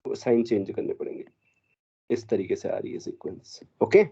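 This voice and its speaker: This is a man giving a math lecture in a classroom, and he keeps quizzing his students as he works through exam options. His voice is dark and mellow. The recording sounds dull and lo-fi. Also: medium pitch, fairly even intonation, moderate pace, slightly rough. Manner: mixes Hindi with English math terms, quizzes students. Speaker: math teacher.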